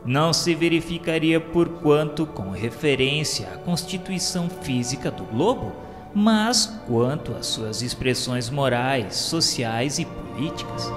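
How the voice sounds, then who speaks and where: A man with a Brazilian accent reading scripted religious narration for a radio drama in a solemn, formal, measured way. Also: mid-range voice, animated. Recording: long reverb, music underneath. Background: music.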